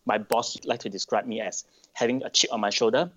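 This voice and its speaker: A middle-aged man from Malaysia, answering interview questions thoughtfully, with pauses and restarts. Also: medium pitch, fairly even intonation, fairly bright tone. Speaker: podcast guest. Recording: dull lo-fi sound.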